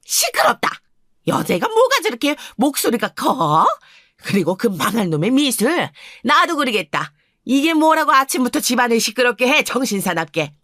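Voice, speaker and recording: Woman voicing a scornful old grandmother, shrill scolding, story narration. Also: sing-song, moderate pace, a bit bright, dry recording, studio quality.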